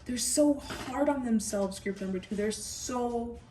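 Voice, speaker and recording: A woman reads tarot cards for her viewers at a slow, unhurried pace. She muses aloud and circles back over the same phrases. Her voice is picked up from a little distance, with a faint hum of background noise. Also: fairly high pitch, mellow. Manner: musing, repeats phrases, addresses viewers directly. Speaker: tarot reader. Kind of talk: pick-a-card tarot reading.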